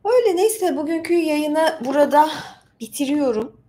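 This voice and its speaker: A woman's voice: high voice, expressive, normal speed, dark tone. A woman hosting a casual storytelling livestream, reading aloud and commenting in a chatty, rambling, informal way. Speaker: livestream host. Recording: roomy echo, faint background noise.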